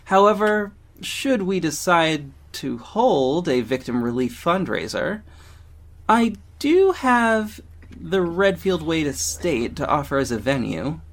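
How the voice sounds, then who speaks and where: A man acting in an audio drama as a confident, sharp-tongued gay councilman with a pointed, theatrical manner. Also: a little high. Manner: theatrical, pointed, biting sarcasm.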